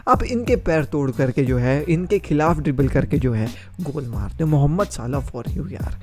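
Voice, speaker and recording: A man's voice: fairly high pitch, animated, normal speed, over music. A young man gives a casual, opinionated football match review, talking in a chatty and emphatic way.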